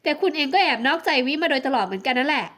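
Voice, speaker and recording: A woman plays a jealous, heartbroken young woman in an audiobook romance, her voice a touch high and emotional. She pleads and accuses in a tearful, intimate delivery. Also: animated, rapid-fire, a bit bright. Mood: bitter. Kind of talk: audiobook romance novel acting.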